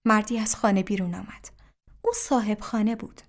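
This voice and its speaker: A woman narrating a religious story in an even, careful reading voice. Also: mid-range voice.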